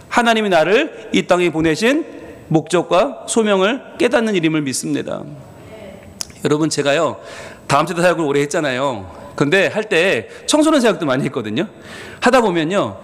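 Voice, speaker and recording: Animated male pastor in a reverberant hall. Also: fairly high pitch. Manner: animated, conversational preaching with acted dialogue. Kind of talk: sermon. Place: church sanctuary.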